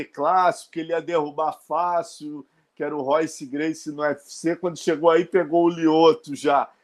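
Over a quiet background, a man delivers his words at a moderate speed. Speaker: podcast host. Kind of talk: interview. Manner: animated.

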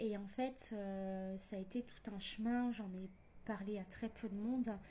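The speech is monotone and flat in intonation, with noticeable background noise behind it. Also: woman. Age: 20s. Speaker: podcast host. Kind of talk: personal monologue. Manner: hesitant, many fillers.

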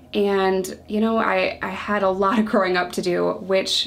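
A woman with an American accent speaks at a moderate pace in a medium pitch, her intonation monotone and flat, with noticeable background noise. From upstate New York. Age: 30s. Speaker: former prisoner and YouTuber. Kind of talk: interview testimony.

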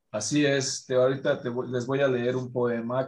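Against a quiet background, a man speaks fairly slowly in an ordinary speaking voice, with a medium pitch and fairly even intonation. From Mexico (Tlaxcala). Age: 40s. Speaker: author and poet. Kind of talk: interview with poetry reading.

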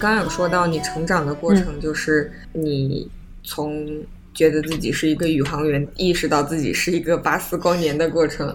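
Backed by music and audible room echo, a woman speaks at a moderate pace in a very deep, low pitch with fairly even intonation. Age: 20s. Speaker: podcast co-host. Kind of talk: casual chat.

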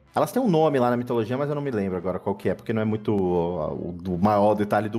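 Very fast speech comes from a man with a fairly low pitch, ordinary pitch variation and a dark, mellow tone. The recording is very clean, the background silent. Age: 30s. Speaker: fiction author. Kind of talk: casual chat.

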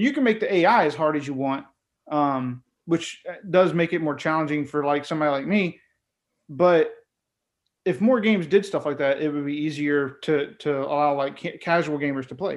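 A man with a normal speaking voice, fairly high in pitch, ordinary pitch variation and a moderate pace. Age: 40s. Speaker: podcast co-host. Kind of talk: casual chat.

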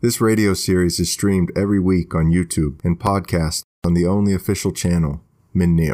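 Heard in a very clean recording with a silent background, the voice has a dark, mellow tone. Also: man, very deep, low pitch for a man, fairly even intonation, fairly quick pace, very even loudness. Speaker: radio announcer. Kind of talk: scripted narration. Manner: formal, measured.

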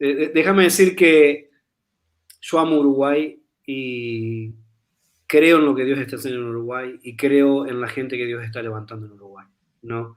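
A man's medium-pitched voice with ordinary pitch variation, long, frequent pauses and big swings in loudness. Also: fairly slow pace. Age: 40s. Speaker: pastor and businessman. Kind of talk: casual interview chat.

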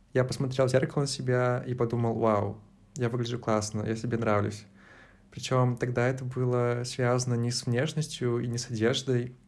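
The speaker is a man with a medium-pitched voice. He talks with monotone, flat intonation. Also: moderate pace. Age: 20s. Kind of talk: recorded monologue answering questions.

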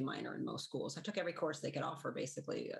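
With an American accent, a woman talks at a very fast pace in a very deep, low pitch, with vocal fry. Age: 40s. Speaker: doctor specializing in brain and mental health. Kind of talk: interview conversation. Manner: animated.

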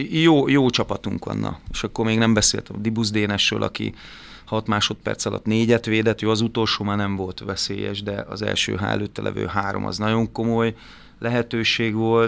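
With an ordinary speaking voice, a man talks at a fairly slow pace, fairly low in pitch, with fairly even intonation. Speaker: sports journalist. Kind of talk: casual chat.

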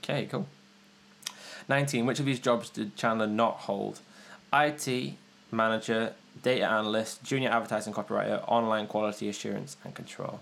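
A man talks at medium pitch and a moderate pace, with ordinary pitch variation. He leaves long, frequent pauses. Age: 20s. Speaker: musician and podcast host. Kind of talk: casual chat.

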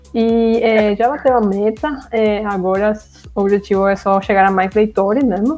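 Over music in the background, a woman speaks at a moderate pace and a fairly high pitch. Her loudness is very even, and her intonation fairly even. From Paraguay. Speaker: writer. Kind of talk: interview.

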